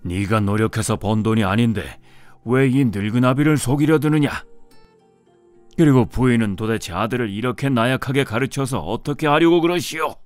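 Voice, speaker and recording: A man's voice: medium pitch, moderate pace, dry recording, voice pushed up, close to an everyday voice. A man voicing a stern, weighty old father in an audiobook folk tale, with music behind. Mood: scolding. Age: older. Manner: scolding, weighty, old-fashioned speech. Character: stern old father, wealthy and worried, testing his son.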